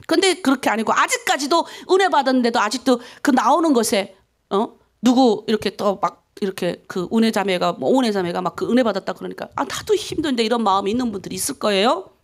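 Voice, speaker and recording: A middle-aged woman pastor from North Korea with a North Korean accent, preaching a dawn prayer sermon, animated, swinging between loud and hushed. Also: fairly high pitch, fast.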